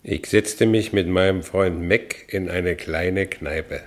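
A man's voice: sits low, steady tone, slow pace. A man playing a working-class Berlin ex-convict determined to go straight, narrating his own story in a radio drama with a Berlin accent. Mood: matter-of-fact. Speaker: narrator and lead character.

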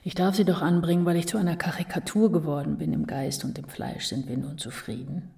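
Fraught, gravelly-edged woman writer. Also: low-pitched, fairly quick, mellow, distant mic. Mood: bitter, argumentative. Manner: insistent, brooding, argumentative. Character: fraught, needy woman writer unravelling at home. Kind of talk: literary radio play dialogue.

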